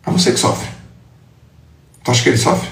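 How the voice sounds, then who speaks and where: A man's voice: brisk, a bit bright. A man giving a live motivational talk, blunt and profane, confronting his listeners with emphatic, punchy lines. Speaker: motivational speaker. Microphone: live stream. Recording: echoey room.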